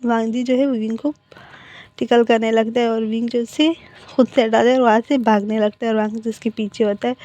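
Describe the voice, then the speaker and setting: Female host-narrator, casual storytelling, warm low-key tone, chatty asides, slight cough, home mic. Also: muffled recording. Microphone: home voice recording.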